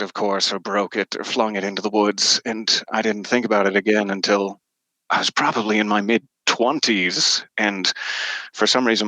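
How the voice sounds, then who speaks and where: A middle-aged man with a fairly low, pushed and bright voice shares anecdotes as a guest on a podcast interview, casual and wryly self-deprecating in his humour. The recording is poor, with no room sound.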